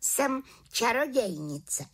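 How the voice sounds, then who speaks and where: A woman voicing an eager young girl witch in a storybook reading, high and slightly husky. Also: big pitch swings. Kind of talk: storybook character voice.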